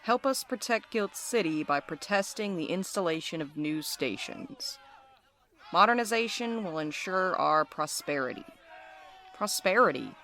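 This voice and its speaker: A cocky male wisecracker played by an actor with a highish, sharp-edged voice. He teases and needles in sardonic audio drama banter. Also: animated, unhurried, slight background noise, heavily acted. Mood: sarcastic. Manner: sardonic, teasing. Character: cocky, wisecracking, sarcastic night postal worker with menace. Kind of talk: audio drama dialogue, conversational.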